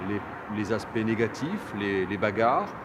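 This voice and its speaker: A man in a documentary clip, reflecting haltingly, recorded outdoors in a town. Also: on the low side, big pitch swings. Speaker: documentary interviewee. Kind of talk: interview clip. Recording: outdoors with loud street noise.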